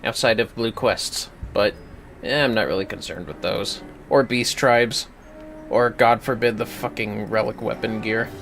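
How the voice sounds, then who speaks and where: A man with a lowish, slightly bright voice keeps a steady tone and an unhurried pace as he casually addresses viewers of his gaming stream. He rambles, curses and talks to himself. Clear background music runs under his voice.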